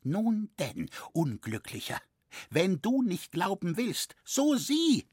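A man's voice: mid-range voice, sing-song, unhurried, slightly rough, dry recording, clean studio sound. A man voicing an anxious old male woodcarver who pleads with agitation. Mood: indignant. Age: older.

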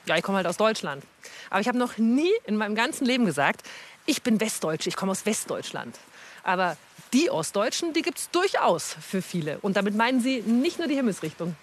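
A woman's voice: medium pitch, very animated, fairly quick, a little hiss or hum. A woman from Augsburg, a reporter presenting a documentary and asking curious, friendly questions. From Germany, Augsburg.

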